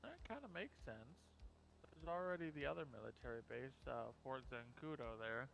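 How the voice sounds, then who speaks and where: A man's voice: mid-range voice, lively intonation, moderate pace, creaky, a bit bright, a little hiss or hum, low-quality recording. A man chatting casually in character as a survivor in an online roleplay game. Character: Alex, helpful scavenging survivor in zombie roleplay.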